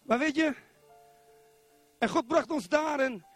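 Man, middle-aged, from Zwolle, preacher, sermon, very high voice, faint music behind. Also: slow pace, no echo. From Netherlands, Zwolle. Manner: animated, keeps asking the congregation questions. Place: church.

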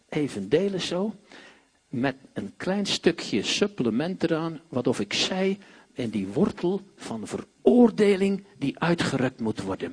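A man preaching a sermon, swinging between hushed storytelling and loud commanding proclamations. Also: mid-range voice, breathy edge.

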